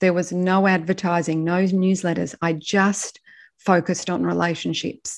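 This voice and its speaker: A woman with an Australian accent speaks at a fairly low pitch and moderate pace. Her intonation is monotone and flat, with a quiet background. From Australia, Melbourne. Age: 50s. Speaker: executive life coach. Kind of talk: podcast interview.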